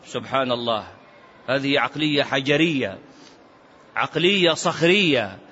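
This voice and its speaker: A man's voice: medium pitch, expressive, unhurried, pushed and bright. A man giving a religious lesson in a mosque, emphatic, asking rhetorical questions and chanting some phrases. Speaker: religious teacher. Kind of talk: mosque lesson explaining hadith. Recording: muffled lo-fi recording.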